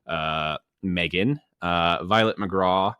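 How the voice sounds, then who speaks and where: A man with a very low voice co-hosts a laid-back movie podcast. He is chatty and quick to laugh, and the sound is close and dry, with no room around it. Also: smooth, dry recording. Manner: laughs easily, relaxed and chatty. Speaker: podcast co-host. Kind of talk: casual movie podcast chat.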